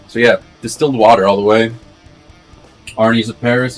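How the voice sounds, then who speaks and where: A man's medium-pitched voice at a fairly quick pace, with music in the background. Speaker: men's clothing reseller. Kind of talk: casual talk to camera.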